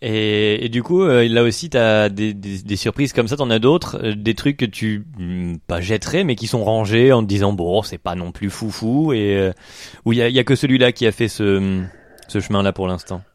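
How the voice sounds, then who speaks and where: A man's voice: on the low side, normal speed, no echo, studio quality. Hesitant male interviewer. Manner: hesitant, searching for words, repeats himself. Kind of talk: casual interview chat.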